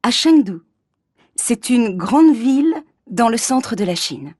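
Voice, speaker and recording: A woman from France performing everyday scenes in a scripted dialogue for learners, speaking clearly and expressively. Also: a little high, very animated, slow pace, darkish tone, no room sound, clean studio sound.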